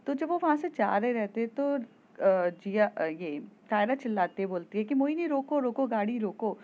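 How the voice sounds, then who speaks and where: A woman's voice: medium pitch, animated, moderate pace, dull audio. Chatty woman telling a story. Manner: chatty, with fillers and repeats. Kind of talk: casual story narration.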